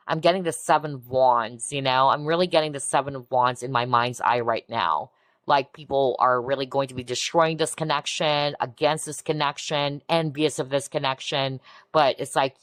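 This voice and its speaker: A woman giving a collective tarot reading in a soft, reassuring way, often breaking into amazed exclamations. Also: very deep voice, dry recording. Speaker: tarot reader. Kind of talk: pick-a-card tarot reading.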